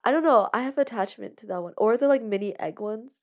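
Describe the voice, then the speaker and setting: A young adult woman hosting a chatty podcast in an informal, giggly and halting way. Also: a little high, a little mellow. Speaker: podcast host. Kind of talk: casual chat.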